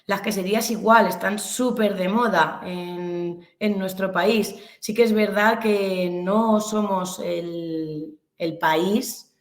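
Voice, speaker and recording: Delivering an informal online lecture, a Spanish woman from Albacete in Castilla-La Mancha hesitates and hunts for words as she explains. She has a Castilian accent and works as a business instructor and webinar presenter, speaking slowly in a mid-range voice with fairly even intonation. The sound is echoey.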